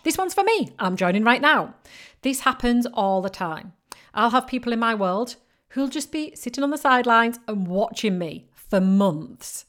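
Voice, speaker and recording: Woman, northern English accent, fairly high voice, emphatic repeating coach, motivational podcast. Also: a bit bright. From northern England. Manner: emphatic, repetitive encouraging delivery. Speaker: business coach.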